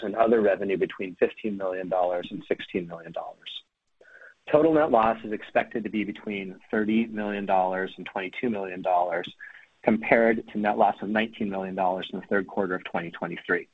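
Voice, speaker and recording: A man's voice: lowish voice, husky, no echo. A male finance executive speaking formally about company figures on an earnings conference call. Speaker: finance executive presenting results. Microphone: conference call line. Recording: dry, narrow phone-like line.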